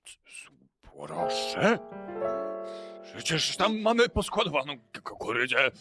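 A man playing a fussy, flustered boss who talks haltingly and repeats himself in a children's audio play. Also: on the high side, wildly swooping pitch, music in the background, heavily acted.

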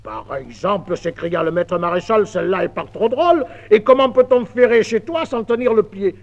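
A man's voice: sits high, sing-song, moderate pace, gravelly, big-room sound, full character voice. A man voicing a proud, boastful master blacksmith who talks in a pompous, blustering way, on an old mono record. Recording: dull 1950s mono record.

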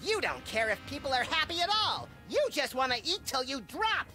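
An actor voicing a manic, hyperactive rabbit-like male sidekick who is excitable and impulsive. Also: very high-pitched, normal speed. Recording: game audio under music.

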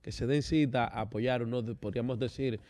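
A man's voice: mid-range voice, fairly even intonation, a little fast, mellow. A young Dominican man hosting from a TV studio desk mic, making an earnest appeal to viewers. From San Francisco de Macorís. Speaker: studio host.

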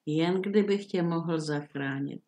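A woman's voice: sits low, warm tone, reverberant, a little hiss or hum, natural voice. A woman reading the lines of a sorrowful merchant father in a fairy tale. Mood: grieving. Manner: sorrowful, tearful.

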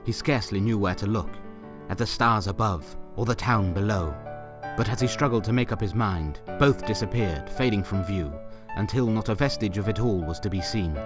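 Low-voiced wry male storyteller. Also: normal speed, over music. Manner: theatrical, wry, ornate phrasing. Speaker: narrator. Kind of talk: scripted storybook narration.

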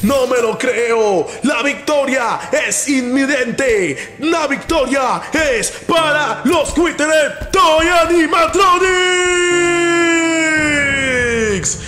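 A man narrating a fight as a theatrical, bombastic commentator in an excited ringside announcing style. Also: very high voice, extremely slow, few pauses, raised voice. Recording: reverberant hall-like echo with music. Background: music.

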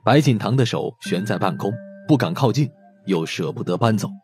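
A man's voice: lowish voice, animated, moderate pace, darkish tone. A man narrating a scripted audio drama as a dramatic storyteller. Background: background music.

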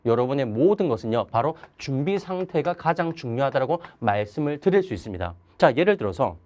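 A man's voice: on the high side, darkish tone. A man in his thirties, a mind coach, giving an earnest, emphatic motivational lecture to students, recorded on a lapel mic in a chalkboard studio.

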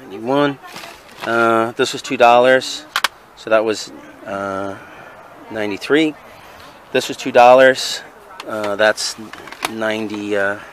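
A man's voice: on the low side, takes it slowly, long pauses, a bit bright, a little hiss or hum. A man filming his flea market finds outdoors beside a van, tallying up what he spent with a lot of fillers. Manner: mumbled, hesitant, counting aloud with fillers. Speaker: flea market vendor and vlogger. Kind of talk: casual vlog narration, tallying purchases. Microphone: handheld camera, filming first-person.

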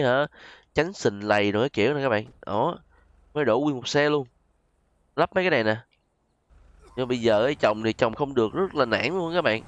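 A man with a Southern Vietnamese accent hosts a gaming video in a casual, conversational way. His medium-pitched voice talks straight to the viewers. The sound is dry and slightly dull, like a lo-fi voice-over. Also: no room sound. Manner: conversational, addresses viewers directly with frequent tag particles. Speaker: gaming channel host. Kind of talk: casual game role-play commentary.

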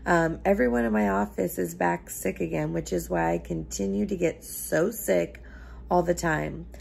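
Sitting on her couch indoors, a young beauty vlogger talks makeup to the camera at a normal speed. Her fairly low voice is gravelly and a little mellow, scratchy from losing it, and her chat is casual, rambling, and emphatic.

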